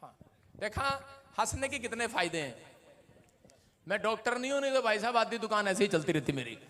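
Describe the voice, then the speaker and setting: A man's voice: high voice, very animated, a little fast, a bit bright. A man pastor preaching a playful deliverance sermon in church, joking with people and bossing the congregation and camera around. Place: church service before a congregation.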